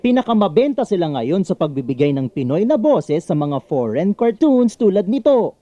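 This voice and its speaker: A Filipino man narrates a news report with a very lively melody. His tone is mellow, on a dry, slightly dull recording. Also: high voice, normal speed, no echo.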